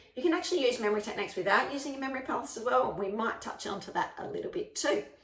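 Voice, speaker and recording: Over noticeable background noise, a woman speaks very fast in a high pitch with very wide pitch swings. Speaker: memory techniques teacher. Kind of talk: tutorial. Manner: casual, filler-heavy (uh, um).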